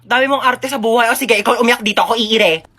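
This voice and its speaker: A cheeky talking newborn baby, played by a woman, grumbles and mocks in a quick, sarcastic stream. The voice is husky and rushed, with a somewhat high pitch for a woman. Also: fairly bright tone. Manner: sarcastic, rapid complaining. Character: sassy newborn baby girl talking like an adult.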